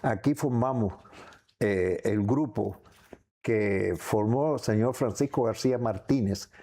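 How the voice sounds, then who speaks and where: An older man with a Cuban accent, giving reflective personal testimony as an interview guest, in halting, rambling phrases. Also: on the low side, dark tone. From Cuba. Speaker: interview guest recounting memories.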